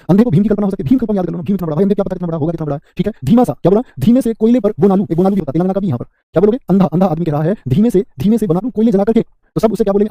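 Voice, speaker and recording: A man with a high, mellow voice teaches an exam class live online, chatty and fast, rattling off memory tricks and quizzing the class with "what will you say?". The dry recording uses a close mic, and the video is sped up.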